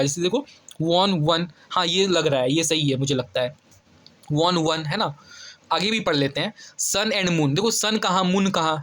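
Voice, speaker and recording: A young male tutor coaching children through exam questions in a relaxed, talky way. His voice sits a little on the high side, and he drags English example sentences out slowly before explaining them. He keeps asking whether his students are following. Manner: chatty, keeps checking students follow ("है ना", "ठीक है"). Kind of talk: casual Hindi exam-prep lesson.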